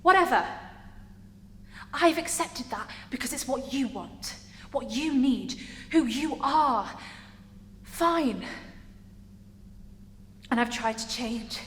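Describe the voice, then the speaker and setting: A woman playing a hurt, defiant young gay woman in a halting, emotional theatre monologue. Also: high voice, animated. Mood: defiant, accusing. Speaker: acting student. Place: large reverberant indoor room. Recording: echoey hall with background noise.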